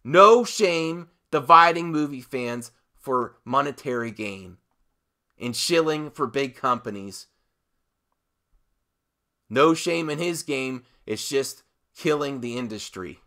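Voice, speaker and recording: Bright, forceful man ranting deliberately. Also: mid-range voice, expressive. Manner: emphatic, with dramatic pauses and repeated phrases. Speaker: host of a movie commentary channel. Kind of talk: opinionated video commentary rant.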